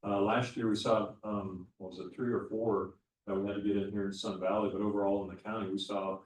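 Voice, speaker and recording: A man with a fairly low voice walks a public meeting through his points one at a time, often restarting a phrase. He is heard from a distance in an echoey room. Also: flat delivery, brisk, a little mellow, a little hiss or hum. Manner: explanatory, methodical, with frequent restarts. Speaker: county public works official presenting. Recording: echoey room, voice from far off the mic.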